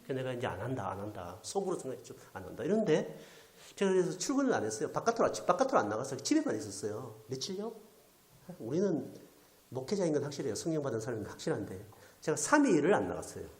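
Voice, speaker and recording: A male pastor with a delivers an animated storytelling sermon, his pitch swinging widely as he acts out the people he quotes. At times he sinks almost to a whisper. The sound rings in an echoey church hall. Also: fast talker. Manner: animated storyteller, acting out quoted voices, drops to near whisper. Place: church sanctuary.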